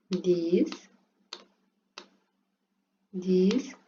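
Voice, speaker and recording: Woman teacher, slow patient classroom explanations, warm low tone, muffled lo-fi recording with light hiss. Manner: repeats "ok" often, simple halting phrasing. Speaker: French teacher. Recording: dull lo-fi recording with faint room noise.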